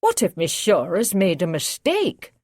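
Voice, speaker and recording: A woman voicing a calm, cautious male doctor in an audiobook, speaking in a measured way. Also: mid-range voice, dry recording. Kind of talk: audiobook character reading.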